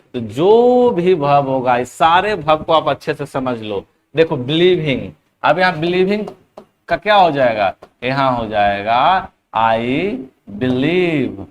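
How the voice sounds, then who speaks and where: A male grammar teacher who speaks very slowly and stretches the example sentences word by word. His pitch rises and falls a lot as he explains. Faint noise can be heard behind him. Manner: slow, drawn-out dictation of example sentences, often calling the students "children". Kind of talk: classroom lesson.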